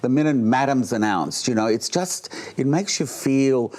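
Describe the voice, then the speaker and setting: An older man born in Egypt, whose first language is Italian, speaking as a guest in a relaxed interview and often pausing with fillers and restarts. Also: medium pitch. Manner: hesitant, with many fillers and restarts. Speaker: guest, drag performer.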